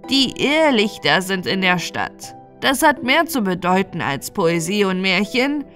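A woman's voice: mid-range voice, very animated, measured pace, fairly bright tone. Woman reading as foreboding, talkative bog witch. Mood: ominous, urgent. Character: talkative old bog witch, ominous storyteller. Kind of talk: fairy-tale audiobook character narration. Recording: music bed under narration.

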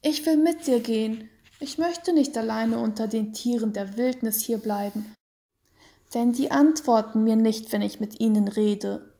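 A woman's voice: unhurried, creaky, mellow. A woman voicing a tearful little boy. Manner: high, crying, pleading. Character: small frightened boy, tearful and pleading. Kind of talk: storybook reading.

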